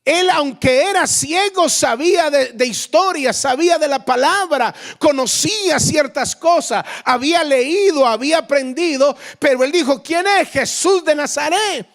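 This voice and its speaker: A middle-aged male pastor preaching a fervent sermon, often rising to shouts. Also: very high voice.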